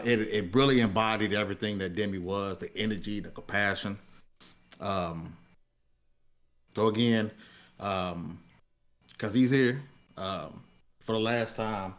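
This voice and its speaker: Casting: male talk show host, lower-pitched voice, casual live delivery. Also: unhurried, pauses often.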